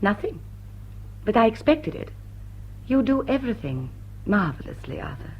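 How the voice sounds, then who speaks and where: A woman's voice: medium pitch, sing-song, moderate pace, dull audio, slight background noise. An actress playing an elegant, witty lady jewel thief with arch, poised delivery in the style of a classic stage comedy. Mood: amused, flirtatious. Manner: arch, poised, dry upper-class wit. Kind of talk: classic stage comedy radio drama acting.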